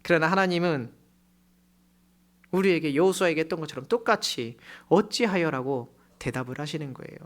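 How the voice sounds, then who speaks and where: A pastor giving a sermon in a church, telling a story with loud emphasis that drops to hushed, low phrases. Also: a little fast. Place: church sanctuary.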